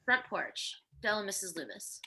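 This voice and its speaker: A woman's voice: medium pitch, animated, moderate pace, pushed and bright, slight background noise. A woman narrating a screenplay, reading stage directions in a scripted table-read style.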